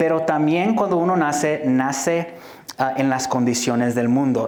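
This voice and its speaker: Through audible room echo and noticeable background noise, a man with a fairly high pitch speaks at a moderate pace with lively intonation. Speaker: preacher. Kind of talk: sermon. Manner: halting.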